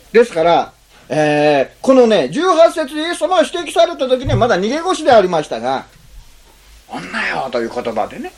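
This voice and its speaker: A pastor preaching in an easy, conversational way, putting question after question to the listeners. The pitch rises and falls widely from phrase to phrase, and short quoted lines are acted out in changing tones. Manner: conversational, poses rhetorical questions to the congregation. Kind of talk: sermon.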